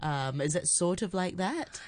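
A woman's voice: fairly low pitch, animated, measured pace, very noisy. A woman radio host from Hong Kong chatting casually on air, laughing often and poking fun at herself. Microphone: studio microphone.

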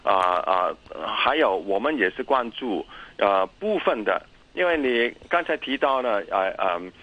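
A man with a Cantonese accent in his Mandarin, a native Cantonese speaker, giving explanatory interview answers in a halting way with many pauses and repeated words. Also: medium pitch, expressive, highs cut off. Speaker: interview guest, academic.

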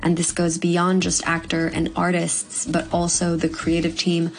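A woman in her twenties from Hong Kong, a young actor giving earnest, measured interview answers with the odd "um". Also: lowish voice, completely flat delivery, low-quality recording. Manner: earnest, measured, with frequent ums. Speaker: guest actor.

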